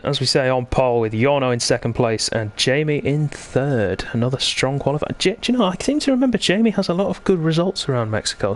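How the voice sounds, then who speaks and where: A man hosting live esports racing commentary in a chatty, conversational way, bantering with his co-commentator. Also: medium pitch. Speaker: sim racing commentator and host.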